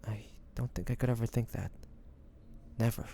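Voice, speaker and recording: A man's voice: medium pitch, steady tone, normal speed, warm tone, slight background noise, natural voice. A man playing a devoted, anxious young man caring for a wounded loved one, tender and hesitant, in a romantic audio roleplay. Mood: tender, reassuring. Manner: tender, hesitant, breathy sighs, addressing the listener. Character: devoted, anxious young man tending his wounded dragon-shifter beloved.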